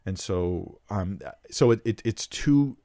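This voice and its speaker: A young man with a low voice speaks close to the microphone in a dry, dead room. He answers a listener's question earnestly, pressing his points with emphasis and stopping to restart his sentences. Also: lively intonation, slow pace, mellow, no echo. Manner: earnest, emphatic, thinks aloud with restarts and fillers. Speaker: Bible Q&A host.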